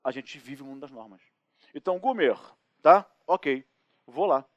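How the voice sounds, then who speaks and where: A Brazilian-accented man teaches criminal law in a recorded studio course. His voice sits fairly high for a man and comes across dry and close. He jokes, acts out little scenes and keeps asking the class rhetorical questions. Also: moderate pace, no room sound, muffled recording. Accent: Brazilian Portuguese. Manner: lively, joking, acts out anecdotes and asks rhetorical questions. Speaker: law lecturer.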